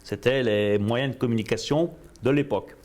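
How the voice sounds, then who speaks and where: A man's voice: mid-range voice, normal speed. Man telling a story. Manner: animated, repeats himself, drops English phrases. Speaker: guest coach. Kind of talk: storytelling interview.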